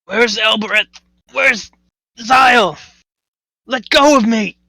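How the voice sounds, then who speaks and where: A man's voice: high-pitched, moderate pace, sharp tone, no room sound, exaggerated voice, low-quality recording. A man playing a frightened, suspicious captive who is defiant and demanding in a tabletop game. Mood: panicked, demanding. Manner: demanding, accusatory. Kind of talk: tabletop roleplay acting.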